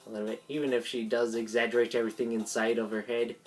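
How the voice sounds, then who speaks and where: A woman's voice: a bass voice, flat delivery, fast talker, a little mellow, soft background music. A woman doing an amateur read-aloud narration of a visual novel with asides, stumbling over lines and correcting herself. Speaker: video creator voicing a visual novel.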